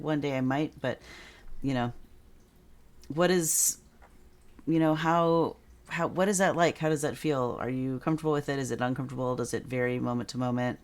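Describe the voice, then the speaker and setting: Relaxed trans podcast host. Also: male voice, mid-range voice, smooth. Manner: relaxed, asks questions in strings, laughs easily. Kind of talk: casual interview.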